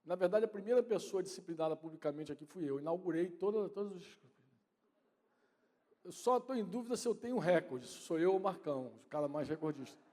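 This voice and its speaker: In a church hall with a long reverb tail, a pastor with a Brazilian Portuguese accent preaches a sermon conversationally, often speaking directly to his congregation and his wife. His voice is high and mellow, and he talks a little fast.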